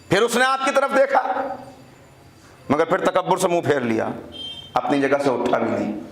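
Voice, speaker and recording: A man preaching a sermon at a lectern mic in a prayer hall, firing off rhetorical questions and swinging between high, loud emphasis and a low hush. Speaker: religious speaker. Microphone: microphone on the lectern. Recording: roomy hall with faint ambience.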